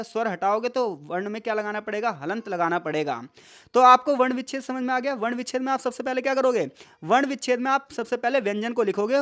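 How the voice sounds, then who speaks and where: A tutor giving an explanatory exam-prep lesson, posing questions and answering them, sounding out syllables slowly, with English words mixed into the speech. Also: mid-range voice, fairly bright tone.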